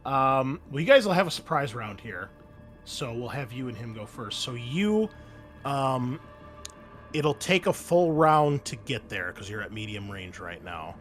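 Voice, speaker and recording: A man narrating a tabletop game as game master, talking to his players in a halting, conversational way. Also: medium pitch, big pitch swings, fairly bright tone. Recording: music behind the voice. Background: background music.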